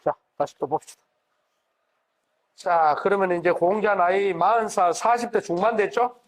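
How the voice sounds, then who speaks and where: This professor's voice sits high and moves a little slowly as he lectures a class. A middle-aged man with a Gyeongsang accent from that region of Korea, he talks conversationally, questioning the audience and supplying the answers.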